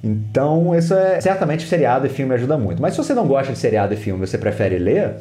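A man's voice: mid-range voice, big pitch swings, fast, dark tone, reverberant, faint music behind. A man with a Brazilian Portuguese accent, a teacher giving tips as a guest in a podcast interview, who acts out what students think. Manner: explanatory, acts out students' inner voices.

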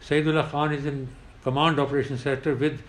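An older man with a South Asian accent, a retired pilot recounting war memories in an interview in a halting, emphatic way. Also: on the high side, flat delivery, echoey room. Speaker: retired air force pilot. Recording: clearly noisy background.

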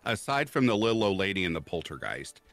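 A man with a very low voice that swings widely as he talks, animated and full of acted-out quotes. He chats casually over a home mic while faint music plays behind him. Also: quick pace, dry recording. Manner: animated storyteller, jumps into exaggerated quoted voices. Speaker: podcast guest. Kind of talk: casual chat, storytelling.

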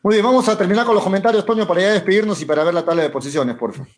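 Male sports host, brisk delivery, fairly high voice. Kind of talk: football commentary chat.

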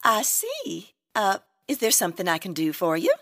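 A woman's voice: mid-range voice, huge pitch swings, normal speed, fairly bright tone, no room sound, clean studio sound, full character voice. A woman playing a gossipy, sugary hotel operator with a drawling Southern US accent in an old-time radio comedy. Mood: polite, surprised. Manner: drawling, coy, theatrical.

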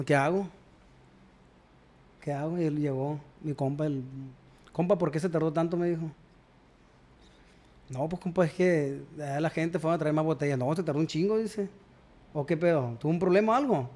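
A man's voice: a little high, mellow. A man, a guest musician, casually telling stories in a slangy way and acting out both sides of the conversations. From Culiacán, Sinaloa, Mexico. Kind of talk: casual storytelling chat.

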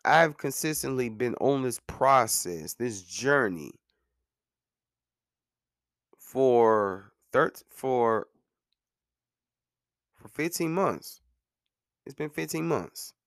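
A man in his late thirties, hosting a podcast and speaking in a relaxed, conversational way. He repeats himself with motivational drive to hammer a point home, at a middle pitch. The sound is dry and close, with no room echo. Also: very slow, creaky, long pauses. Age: 30s. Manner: conversational, says "man" and "you know what I'm saying". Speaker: podcast host. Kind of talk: casual monologue.

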